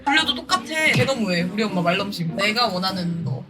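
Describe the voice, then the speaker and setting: A young woman in her twenties chatting on a live stream in an animated, laughing, blunt and joking manner. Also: mid-range voice, quick pace, distant mic, loud music behind the voice. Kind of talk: casual live-stream chat.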